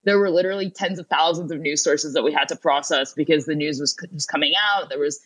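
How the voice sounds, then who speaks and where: A woman's voice: sits low, steady tone, fast talker, husky, poor audio. A young woman from Ukraine, answering as an interview guest in a conversational, explanatory style. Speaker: interview guest, tech company co-founder and CEO.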